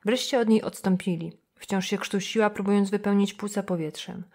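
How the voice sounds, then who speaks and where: Kobieta lektorka czytająca powieść kryminalną do audiobooka. Czyta spokojnie i równo, z wyraźną, wyważoną narracją. Głos o średniej wysokości. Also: female voice, medium pitch. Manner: measured, even reading. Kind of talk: scripted novel narration.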